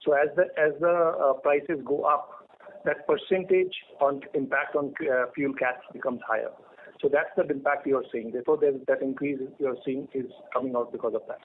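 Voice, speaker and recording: A man speaking as an executive on a conference call, answering haltingly and repeating words as he explains. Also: medium pitch, fairly even intonation. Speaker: airline executive on an earnings call. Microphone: telephone conference line. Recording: phone-like line with faint background noise.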